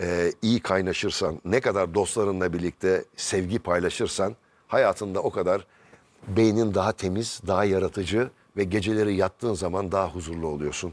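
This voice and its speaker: Intonation remains fairly even. The pace is moderate. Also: man, fairly low pitch for a man. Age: 60s. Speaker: jazz pianist; talk show guest. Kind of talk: interview. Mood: relaxed, cheerful. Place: studio. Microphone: lapel.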